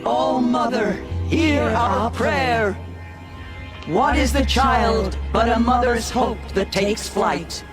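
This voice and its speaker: An actress playing a kindly, solemn tribal holy woman who speaks slowly, gently and ceremonially. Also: a little high. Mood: reverent. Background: game music.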